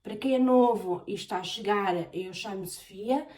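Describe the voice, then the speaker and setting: A woman from Portugal with a European Portuguese accent, chatting casually in a question-and-answer vlog, often pausing on filler sounds. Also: medium pitch, darkish tone. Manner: hesitant, many filler sounds. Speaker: vlogger. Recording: voice a bit far from the mic.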